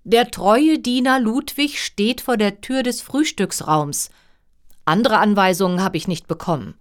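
A woman's voice: medium pitch, measured pace, voice pushed up, close to an everyday voice. A woman voicing a dutiful, helpless male valet in a fairy tale, deferential and literal-minded. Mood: apologetic.

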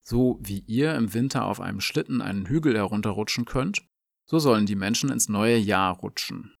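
A man presenting a language lesson, explaining in a calm, clear scripted dialogue. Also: fairly low pitch, moderate pace, no room sound, studio quality.

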